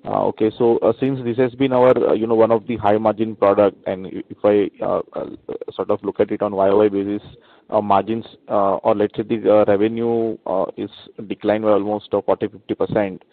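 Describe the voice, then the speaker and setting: Low-voiced Indian man, echoey phone line. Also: flat delivery, brisk, gravelly. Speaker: analyst asking questions. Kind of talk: earnings call question, unscripted. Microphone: telephone conference call. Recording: narrow phone line with some room echo.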